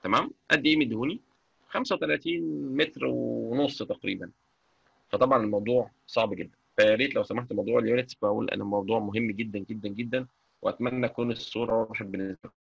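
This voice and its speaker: A man with an Egyptian Arabic accent teaching a live online software lecture, chatty and constantly checking that his students follow. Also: medium pitch, creaky, slightly rough, no echo. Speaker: software instructor. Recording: dull lo-fi mic.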